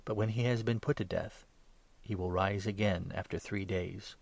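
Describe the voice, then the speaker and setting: A calm, authoritative teacher who speaks slowly and solemnly, his voice low, as a male reader gives him voice. The sound is dry and close, with no room echo. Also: vocal fry. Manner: measured, solemn.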